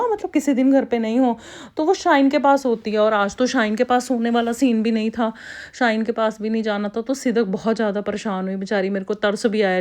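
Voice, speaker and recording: A woman in her thirties vlogging casually about family life at home, chatty and lively with her kids. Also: fairly high pitch. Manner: chatty, talks to her kids in a sing-song scolding way. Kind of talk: casual vlog chat. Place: family home, kitchen and outdoor yard.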